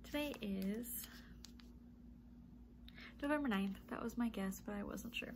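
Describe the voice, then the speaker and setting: A woman in her thirties chats to camera in her yarn-filled home room, rambling easily with little laughs and ums. Her nose is stuffy and her voice has a gravelly edge. A steady hiss of background noise sits under the recording. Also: medium pitch, a little slow. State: stuffy nose, a bit congested. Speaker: knitting podcast host. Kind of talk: casual chatty monologue to camera.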